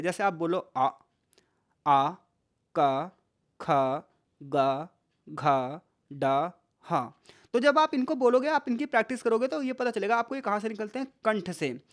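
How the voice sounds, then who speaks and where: A tutor giving an explanatory exam-prep lesson, posing questions and answering them, sounding out syllables slowly, with English words mixed into the speech. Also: mid-range voice.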